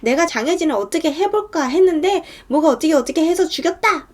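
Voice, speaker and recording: A woman's voice: extremely high pitch, expressive, fast, pitched above the performer's own voice. A woman voicing a sneering, crude young male thug in a spoken movie retelling, brash and mocking. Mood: taunting.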